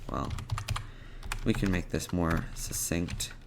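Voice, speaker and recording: Man, deep creaky voice, coding tutorial, halting think-aloud delivery, keyboard typing. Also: noisy background. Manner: halting, murmuring code aloud as types. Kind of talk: unscripted screen-share programming tutorial, thinking aloud.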